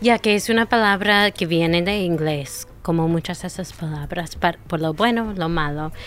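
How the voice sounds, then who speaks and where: Delivered at a moderate pace in an American accent, the speech has hardly any pauses and ordinary pitch variation. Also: woman, fairly low pitch for a woman. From United States. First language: English (speaking Spanish). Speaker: guest speaker on queer vocabulary. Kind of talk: casual radio chat.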